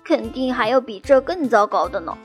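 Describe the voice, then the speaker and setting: A woman voicing a small boy mouse who is bold but easily frightened, shouting when excited and stammering when nervous, in a children's storybook. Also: a little high, moderate pace, faint music behind, close to an everyday voice.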